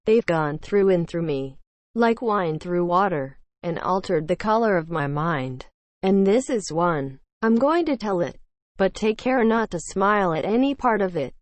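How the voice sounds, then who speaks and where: A woman voicing a passionate, willful young gentlewoman in a storybook, impetuous and declamatory. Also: fairly low pitch, animated, measured pace, dry recording. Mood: earnest confiding.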